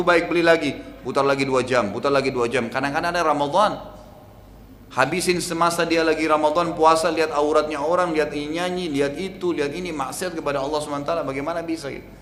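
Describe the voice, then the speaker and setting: Middle-aged Indonesian male preacher, fairly high voice, echoey hall with faint background noise. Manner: animated storytelling with sudden loud peaks. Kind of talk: Islamic study sermon.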